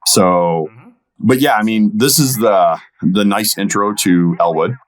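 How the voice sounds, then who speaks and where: A man speaking as a guest voice actor in a casual interview and commentary, with halting, measured phrasing. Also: lowish voice.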